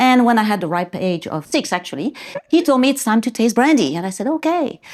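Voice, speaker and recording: Talking at a fairly quick pace, a woman uses a fairly high pitch in a French accent. Her voice makes very wide pitch swings. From France, Cognac region. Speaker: spirits importer. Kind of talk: interview. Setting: importer's office. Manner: hesitant, many fillers.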